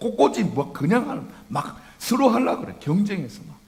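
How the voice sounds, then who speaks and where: Very wide pitch swings ring out over noticeable background noise and audible room echo. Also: man. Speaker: pastor. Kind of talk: sermon. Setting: church. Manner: fast.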